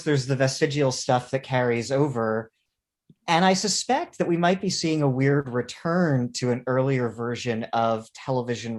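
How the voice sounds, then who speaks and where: A man speaking as a panelist in an informal academic discussion, with measured, scholarly phrasing. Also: medium pitch.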